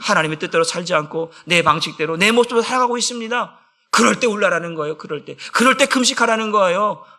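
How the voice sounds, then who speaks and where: A man's voice: high-pitched, animated, fast talker, pushed and bright. A male pastor preaching a sermon with passion, putting many rhetorical questions to his congregation.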